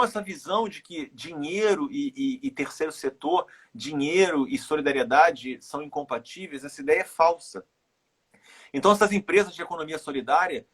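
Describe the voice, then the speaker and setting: Middle-aged Carioca man, husky and a bit high, thoughtful guest who circles back on his words. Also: fairly bright tone. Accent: Carioca Brazilian Portuguese. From Rio de Janeiro, Brazil. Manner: reflective, halting, repeats words while thinking. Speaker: guest, runner and author. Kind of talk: casual live interview chat.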